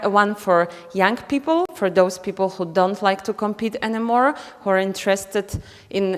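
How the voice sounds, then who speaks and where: A woman from Poland, giving a conference talk with many ums and restarts. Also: medium pitch. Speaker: conference speaker. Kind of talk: conference presentation. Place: conference hall. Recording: reverberant conference hall.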